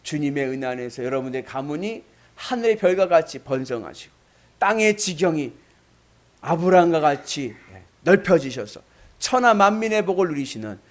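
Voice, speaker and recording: A man preaching a sermon, emphatic, with loud exclamations and questions to the congregation. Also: on the high side, animated, moderate pace. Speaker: pastor.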